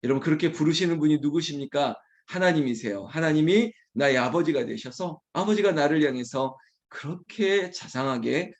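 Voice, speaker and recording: Earnest Korean-style pastor, higher voice. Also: male voice, gravelly. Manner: earnest, addresses the congregation often, slows to quote scripture. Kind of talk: early-morning prayer sermon.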